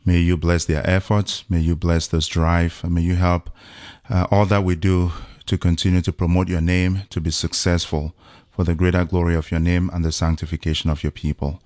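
A man from Cameroon in his forties, a pastor leading a prayer and telling his story at a measured pace with many pauses. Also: deep voice, flat delivery, a little mellow, no room sound, clean studio sound. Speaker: pastor, guest. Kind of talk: prayer and interview talk.

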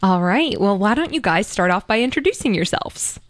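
A woman's voice: medium pitch, lively intonation, normal speed, dry recording. A woman co-hosting a religious radio show with cheerful introductions. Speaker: radio co-host.

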